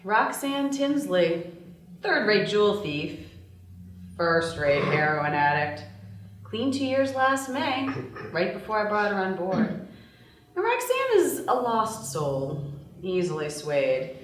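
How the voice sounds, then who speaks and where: Cocky jewel thief played by a woman, animated delivery. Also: medium pitch, takes it slowly. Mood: cool, calculating. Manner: brash, swearing, sardonic. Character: cocky, ruthless jewel thief woman in her mid twenties. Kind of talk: table read of a screenplay, part voiceover. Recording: roomy, distant mic, faint noise.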